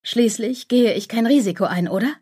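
A woman narrating a novel in the first person as a scripted audiobook reading, calm and measured. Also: on the high side, breathy edge.

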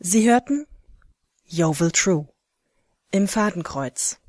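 A woman reading scripted cast credits as announcer in a measured, formal way. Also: on the low side, expressive, darkish tone, soft background music. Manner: measured, formal, list-like delivery.

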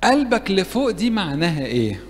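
A man's voice: high-pitched, fairly quick, long reverb tail. A man with an Egyptian Arabic accent preaching a sermon to young people, asking them questions and acting out prayers. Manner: lively, asks the audience questions and acts out prayers. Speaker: priest preaching to university youth. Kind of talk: interactive sermon. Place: church meeting hall.

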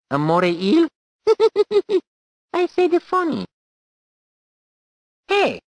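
A man's voice: no room sound, heavily acted. A man voicing Mario, a cheerful cartoon plumber hero with an exaggerated Italian accent, giggling and cheering on a player learning to type in a video game. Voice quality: squeaky, sing-song. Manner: goofy and encouraging, giggly. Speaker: typing tutor guide. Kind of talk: video game character voice lines.

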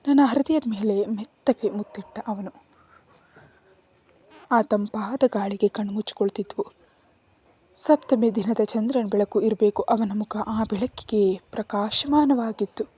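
A woman's voice: mid-range voice, unhurried, pauses often, warm tone, breathy edge. A young woman narrating a first-person romance story in a tender, emotional way.

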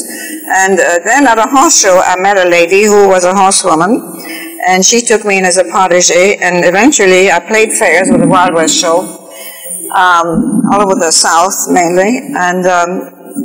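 Old swiss-born lady around 80 telling her life story, unhurried, reverby room. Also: lowish voice, fairly even intonation. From Switzerland. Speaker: guest, artist. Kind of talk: recounting life story in a studio interview. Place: TV studio, indoors. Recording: reverberant 1980s TV studio, music behind.

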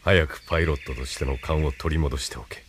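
An actor playing a stern, cold military colonel who gives orders in a measured, commanding tone in an anime radio drama. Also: male voice, rumbling low, steady tone, a little hiss or hum.

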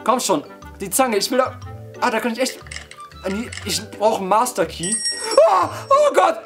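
A hoarse young man doing let's-play commentary, excitable, yelping and laughing as he talks to his viewers. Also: very high-pitched, moderate pace. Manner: excitable, yelps and laughs, keeps addressing viewers. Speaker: gaming YouTuber. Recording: background music under voice. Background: game music.

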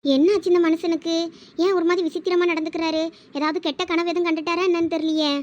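Actress as playful young wife, very high and fast, bubbly village drama role. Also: female voice, level tone, darkish tone, muffled recording. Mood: puzzled. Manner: bubbly, quick-talking. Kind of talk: village web-series acting.

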